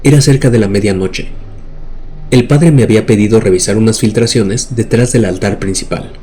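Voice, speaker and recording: A man's voice: lowish voice, normal speed, mellow, slight background noise. A man narrating scripted horror stories in a dramatic, suspenseful way. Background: music bed.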